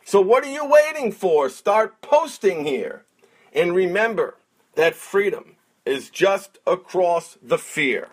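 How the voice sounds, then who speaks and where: A man reciting spoken word like a slam poet, in a dramatic, deliberate delivery. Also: sits high, sing-song. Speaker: coach reciting a poem.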